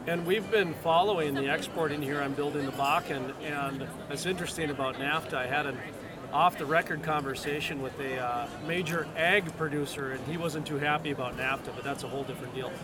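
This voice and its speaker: A male podcast host asks friendly, casual questions in a slightly raised voice. He drops in a few fillers as he goes. A loud crowd buzzes behind him. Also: fairly high pitch, brisk. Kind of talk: casual interview.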